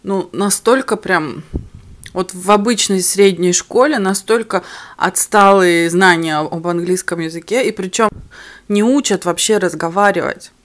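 A young woman with a slightly low voice talks candidly to a camera on the table in front of her, pausing between bites of food. Her first language is not Russian. She sounds relaxed and at home in her living room. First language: other than Russian. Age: young adult. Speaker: mukbang vlogger. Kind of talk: casual chat to camera while eating.

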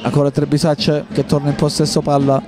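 Higher-pitched male football commentator. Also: completely flat delivery, brisk, over loud music. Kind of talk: live play-by-play commentary.

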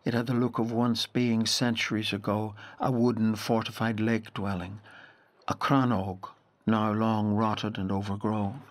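A man with a Northern Irish accent playing a reflective storyteller, narrating a literary audio drama in a measured, deliberate way. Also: fairly low pitch, level tone, lightly acted. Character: reflective male storyteller recalling a boy's rural Irish childhood.

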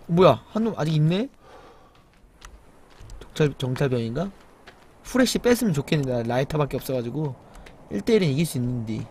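A young man streaming a survival game, chatting with viewers, muttering to himself and crying out loudly when startled. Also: lively intonation, a little fast, long pauses, a little hiss or hum. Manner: jumpy, exclaims loudly when startled, then mutters low; chats with viewers and reads the chat. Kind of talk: live game commentary.

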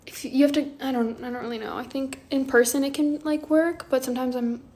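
A woman in her twenties chatting casually on a livestream from her bedroom, soft and drowsy, often trailing off. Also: sits high, fairly even intonation, moderate pace. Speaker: livestream host. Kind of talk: casual chat answering viewer comments. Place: small bedroom indoors. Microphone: phone held close, front camera.

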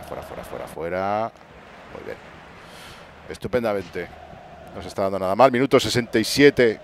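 A man commenting on his own football video game match, excitable, playing mock sports commentator and breaking into bursts of cheering, recorded at home. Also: low-pitched, a little hiss or hum. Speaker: gaming channel host. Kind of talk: excited let's-play commentary. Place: home room at night.

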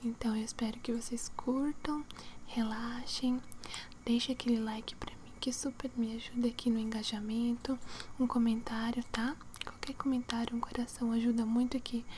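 A young adult woman whispering breathily in ASMR style, close to the mic, soothing and softly repeating words to relax the listener. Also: on the high side, little pitch movement, moderate pace, a little hiss or hum. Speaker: ASMR video host. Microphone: close to the mic, face near camera.

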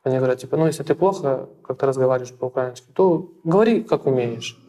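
Young man, dark mellow voice, halting. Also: medium pitch. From Russia. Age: young adult. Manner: halting, repeats words, many fillers. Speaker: interviewee. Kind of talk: interview. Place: small plain room indoors.

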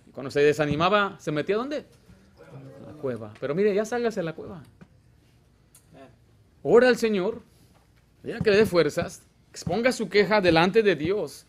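A man preaching a Baptist sermon as pastor, asking the congregation questions and swinging from loud exhortation to quiet asides. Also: sits high, expressive, moderate pace, pauses often, a little hiss or hum. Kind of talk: Spanish-language Baptist sermon. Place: church sanctuary.

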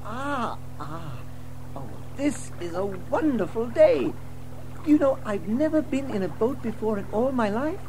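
A woman's voice: a little high, lively intonation, unhurried, warm tone, slight background noise. A woman playing a naive, wonder-struck young mole in a children's audio drama, eager and questioning. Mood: thrilled. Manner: eager, wide-eyed, questioning.

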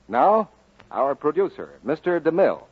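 A man's voice: a little high, sing-song, normal speed, husky. A man announcing in the style of a 1940s radio commercial. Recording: muffled old 1940s radio recording.

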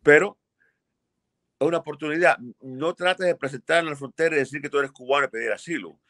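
A man's voice: fairly high pitch, a little fast, fairly bright tone, no room sound, studio quality. An older man, an immigration lawyer, answering viewers' questions emphatically and bluntly over a video call from a home office. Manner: emphatic, blunt, repeats for stress. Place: home office with framed pictures.

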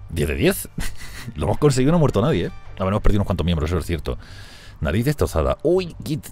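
A man commenting on a strategy game he is playing, talking fast and excitably, swearing and laughing often. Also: sits low, soft background music. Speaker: gameplay streamer.

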